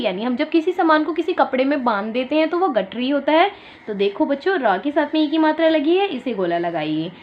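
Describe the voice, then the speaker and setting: A woman teaching an online lesson to small children. She stretches out syllables slowly and asks questions, then answers them herself. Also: sits high. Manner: slow drawn-out syllables, asks and answers her own questions. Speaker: primary school teacher. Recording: dull lo-fi sound.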